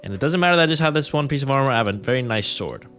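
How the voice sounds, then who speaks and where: A man's voice: mid-range voice, animated, rapid-fire, a bit bright, soft background music. A young man casually commenting on his gameplay, rambling and joking with viewers. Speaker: gaming creator. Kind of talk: let's play commentary.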